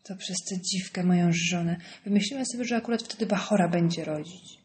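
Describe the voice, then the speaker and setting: A bitter male prisoner who sneers at women and at his cellmates, read by a woman. His voice is low and mellow, with a sour, cynical edge in an audiobook reading. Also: a little fast, a little hiss or hum, natural voice.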